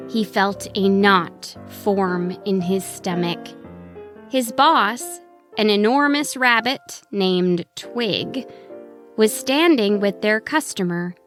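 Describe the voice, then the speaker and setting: A woman narrating a scripted children's story in an expressive, deliberate way. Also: mid-range voice.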